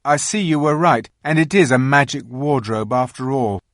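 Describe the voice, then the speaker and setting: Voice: medium pitch, moderate pace, dry recording, studio quality, voice pushed up, close to an everyday voice. A reader voicing a sulky, greedy young boy in a storybook reading. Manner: sullen, pleading. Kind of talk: audiobook reading.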